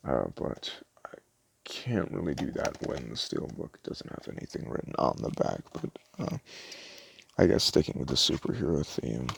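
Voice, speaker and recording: A man doing a casual, improvised ASMR shopkeeper roleplay, soft-spoken and hesitant, rambling in a self-deprecating way. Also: rumbling low, sing-song, moderate pace, vocal fry, noisy background. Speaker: ASMR roleplayer playing a small DVD shop owner.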